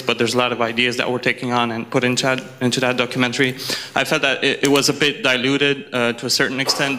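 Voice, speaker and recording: A man's voice: medium pitch, pushed and bright. A man from Romania with a Romanian accent, asking an unscripted question from the audience in a hesitant, rambling way. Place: public Q&A after a film screening.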